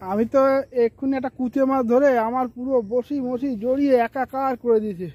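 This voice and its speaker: A man narrating his own fishing trip at a rural pond, chatting casually to viewers and sometimes speaking softly. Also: very high voice, steady tone, a little fast, lo-fi sound. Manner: chatty, addresses viewers as friends, talks quietly at times. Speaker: fishing vlogger. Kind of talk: casual outdoor vlog narration.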